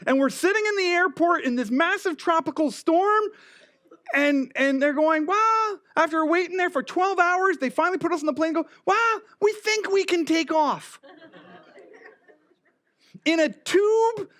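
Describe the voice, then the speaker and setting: A middle-aged man with a slight lisp, preaching a sermon as pastor, animated and joking, swinging from loud to whispered. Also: very high-pitched, normal speed. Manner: joking, self-deprecating.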